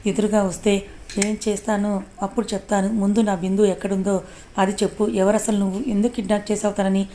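A woman voicing an angry young husband who shouts threats over the phone, speaking in her own mellow, even voice. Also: mid-range voice, fast talker, slight background noise, lightly acted. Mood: furious. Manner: shouting threats, then sobbing confession. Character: angry young husband searching for his wife.

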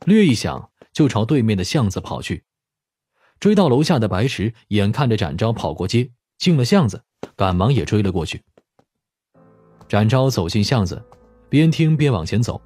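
Husky, deep male audiobook narrator. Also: sing-song, normal speed, darkish tone, soft background music. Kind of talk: dramatic scripted audiobook narration.

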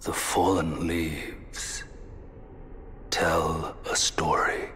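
A male actor playing a grave, deliberate storyteller of a fallen realm in a dark fantasy game, with a breathy delivery. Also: rumbling low, flat delivery, whispered, full character voice. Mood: solemn, grave. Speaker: narrator. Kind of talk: solemn scripted dark fantasy game narration.

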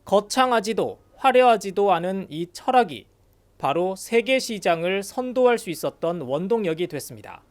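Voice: mid-range voice, sing-song, moderate pace. A news reporter reading scripted narration for a broadcast industry report.

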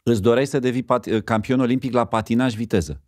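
A man's voice: medium pitch, darkish tone, dry recording, studio quality. A man hosting a podcast interview, chiming in with affirmations and sharing his own memories. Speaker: podcast host.

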